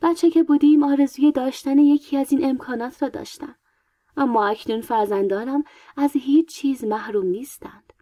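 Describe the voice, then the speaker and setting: A woman voicing a proud young queen, mellow. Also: sits high, dry recording, clean studio sound, natural voice. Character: proud, vain young queen, self-assured. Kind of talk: audiobook character voice.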